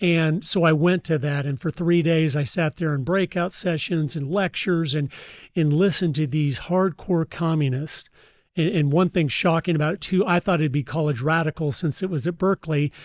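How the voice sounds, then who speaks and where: A man with an American accent has a normal speaking voice at a fairly high pitch. He speaks at a moderate pace with ordinary pitch variation on a very clean recording with a silent background. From US West, Idaho. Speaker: documentary filmmaker. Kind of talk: casual chat. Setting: studio.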